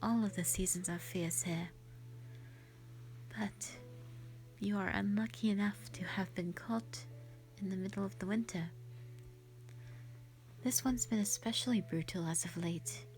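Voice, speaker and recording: A woman voicing a gentle, lonely female white dragon in a roleplay audio drama, speaking softly and breathily in a sweet, formal, hesitant way. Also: medium pitch, measured pace, pauses often, faint music behind, lightly acted. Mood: shy, friendly. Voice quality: soft, breathy, often whispery.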